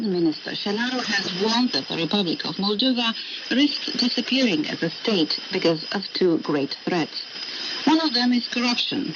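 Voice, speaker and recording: Female radio presenter for scripted news report, heard on a dull, very noisy shortwave broadcast. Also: medium pitch.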